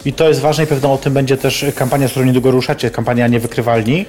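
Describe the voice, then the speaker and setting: A male talk show host with a mid-range voice talks at a quick pace. His delivery is casual and chatty, with a playful, teasing streak. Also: mid-range voice, little pitch movement, darkish tone, faint music behind.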